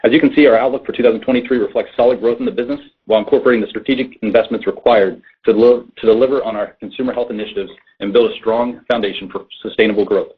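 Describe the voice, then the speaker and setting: Guy reading earnings guidance formally, lowish rough voice, thin phone audio. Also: fairly even intonation, rapid-fire, hardly any pauses. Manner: formal, reading prepared figures. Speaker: company finance executive. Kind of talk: scripted earnings call presentation. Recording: muffled, tinny phone conference line.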